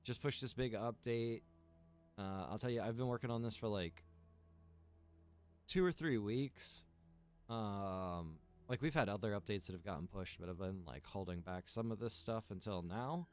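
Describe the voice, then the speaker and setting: A man chatting casually while streaming a survival game, rambling in a relaxed way to his viewers. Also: lowish voice, normal speed, soft background music. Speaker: streamer and server owner. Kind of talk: casual gaming stream chat.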